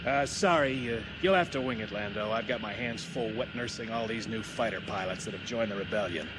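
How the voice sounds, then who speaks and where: An actor playing a cocky, skeptical star pilot in an audio drama, with a casual, wry delivery. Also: male voice, lowish voice, fairly quick, very noisy, natural voice. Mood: wry, evasive. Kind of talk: audio drama acting over orchestral score.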